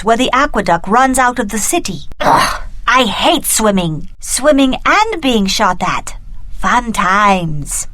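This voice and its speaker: A woman playing a young female adventurer in a video game, an observant, wry companion with an expressive delivery. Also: medium pitch, no room sound. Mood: excited, curious. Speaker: video game character actor.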